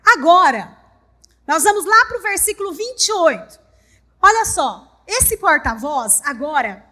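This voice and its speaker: A woman's voice: extremely high pitch, bright, forceful tone. A woman pastor with a Brazilian Portuguese accent preaching a sermon, emphatic and repetitive, speaking straight to her congregation. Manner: emphatic, repeats phrases, addresses congregation directly.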